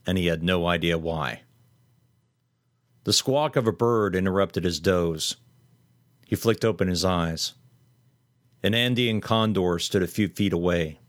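A man reading a horror story aloud in steady, measured scripted narration. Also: deep voice, no room sound, studio quality.

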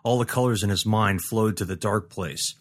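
Guy reading a fantasy story aloud, really low voice, steady and even. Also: normal speed. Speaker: audiobook narrator. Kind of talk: scripted story narration.

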